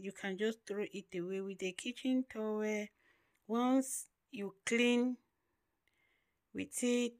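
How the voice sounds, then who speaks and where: A woman's voice: mid-range voice, no room sound. Woman doing a casual cook and clean voiceover, takes her time explaining stuff, pretty dry sound. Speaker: home vlogger.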